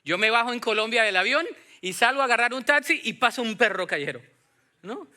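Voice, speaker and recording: Speaking fast in Latin American Spanish, a preacher with a remarkably high voice sounds very bright and forceful. He teaches scripture in a lively, conversational sermon, acting out imagined exchanges and frequently questioning his listeners.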